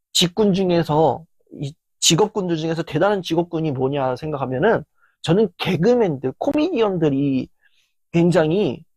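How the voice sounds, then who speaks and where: A lecturer giving a motivational talk while filming, their voice worn down after hours of recording, speaking earnestly and acting out inner voices in sudden loud bursts. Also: mid-range voice, no room sound. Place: filming session.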